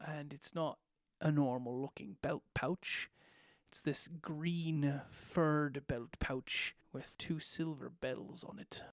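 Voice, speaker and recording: On a very clean recording with a silent background, a man puts on a rumbling character voice at a fairly high pitch. He speaks at a very slow pace with ordinary pitch variation. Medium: actual play. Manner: terse, rough-grammared, grumbling.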